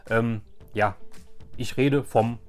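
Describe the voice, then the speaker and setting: A man's voice: medium pitch, steady tone, slow pace. Hesitant, rambling man with music behind. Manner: hesitant, rambling, repeats phrases. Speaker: YouTube host showing childhood collections. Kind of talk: casual nostalgic show-and-tell commentary.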